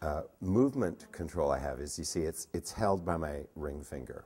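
A man with a very deep, low pitch and a dark, mellow tone speaks at a moderate pace, with vocal fry in his voice. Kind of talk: interview answer. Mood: amused, anecdotal. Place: stage.

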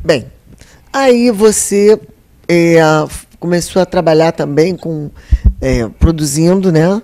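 A woman speaks at a very slow pace with a fairly low pitch. Her intonation is lively, broken by long, frequent pauses. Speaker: TV host. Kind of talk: TV interview. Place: studio. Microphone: handheld.

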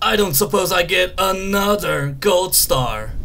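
Using a cartoonish character voice, a man speaks at a high pitch and a fairly slow pace. Clear background noise can be heard. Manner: laid-back, surfer-style.

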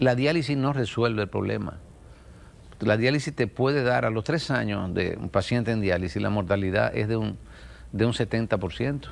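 A man's fairly low voice with vocal fry and ordinary pitch variation. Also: moderate pace. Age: 70s. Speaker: transplant physician, institute director. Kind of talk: interview. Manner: halting. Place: studio. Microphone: lapel.

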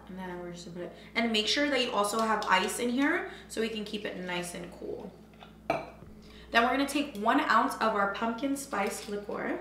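A woman speaks at a moderate pace, her loudness swinging widely. The room echo is audible, with light noise in the background. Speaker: lifestyle vlogger. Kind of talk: casual tutorial and product review. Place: kitchen. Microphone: camera far.

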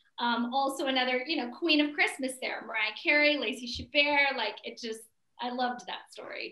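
In a raised, projected voice, a woman with an American accent speaks at a high pitch with a bright, sharp tone and ordinary pitch variation, amid audible room echo. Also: moderate pace. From Georgia, US South. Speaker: podcast host and actress; podcast host, actress. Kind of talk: casual chat. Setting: video call. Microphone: video call.

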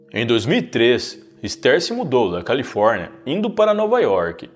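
A man talking over music in the background. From Brazil. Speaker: true crime YouTuber. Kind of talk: true-crime narration, storytelling a case in a steady read-out. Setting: home studio recording for video channel. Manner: measured, even, serious storyteller pace; clear and informative, slightly formal.

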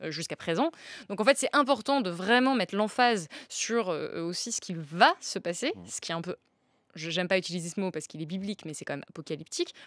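A woman's lively, fairly quick speech with big swings in loudness, over a quiet background in a dry sound with no echo. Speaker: guest. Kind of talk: live interview. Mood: earnest, concerned about climate. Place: studio. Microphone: studio mic.

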